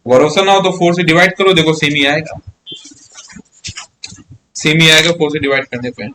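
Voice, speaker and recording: Chatty maths teacher, slightly high voice. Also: male voice, fairly even intonation, normal speed, background noise. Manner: chatty, coaxing, keeps asking students "yes or no?". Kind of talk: live online maths class.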